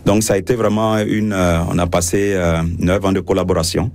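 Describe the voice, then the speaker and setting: A French-speaking priest with a very deep voice talks slowly and haltingly, restarting his sentences often. His is a radio interview answer, thoughtful and unhurried. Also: flat delivery, a little mellow. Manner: hesitant, many fillers and restarts.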